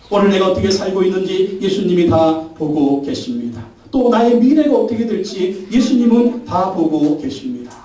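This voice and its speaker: Male pastor, high mellow voice, fervent repetitive Sunday sermon, distant mic in a reverberant church hall. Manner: preaching with rising fervor, repeating phrases. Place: church sanctuary. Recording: echoey church hall from far off.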